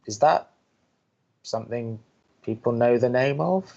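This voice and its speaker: An actor playing an earnest, flustered young campus radio co-host who talks with fretful, exasperated emphasis. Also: male voice, mid-range voice, measured pace, creaky, dark tone, highs cut off. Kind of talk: bantering audio drama dialogue.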